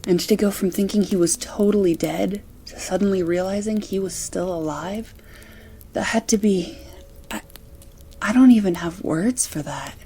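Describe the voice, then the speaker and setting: A woman's voice: medium pitch, moderate pace, breathy edge. A woman acting in an amateur audio drama as a loving, sympathetic partner who listens in awe. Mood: tender, moved. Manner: gentle, sympathetic, awestruck. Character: loving, tender woman comforting her shaken partner.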